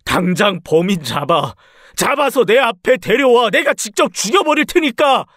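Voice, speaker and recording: A grief-crazed vengeful husband. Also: male voice, high voice, big pitch swings, moderate pace, no echo, clean studio sound, full character voice. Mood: furious. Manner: raging, threatening, shouting. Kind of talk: story radio drama reading.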